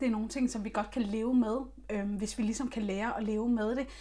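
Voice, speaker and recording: This woman has an unremarkable speaking voice, fairly high in pitch. She keeps a moderate pace with fairly even intonation. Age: 20s. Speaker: podcast host. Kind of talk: casual chat.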